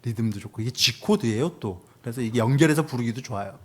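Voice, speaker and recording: A man's voice: medium pitch, animated, fast talker, breathy edge. A man in his thirties, a pastor delivering a conversational sermon with rhetorical questions. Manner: conversational preaching with acted quotes and rhetorical questions.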